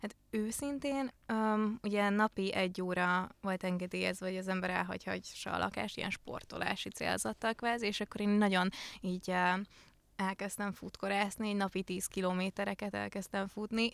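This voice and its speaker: In a very clean recording with a silent background, a woman uses an ordinary speaking voice at a medium pitch with fairly even intonation. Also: moderate pace. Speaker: photographer. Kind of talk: casual chat. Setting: studio.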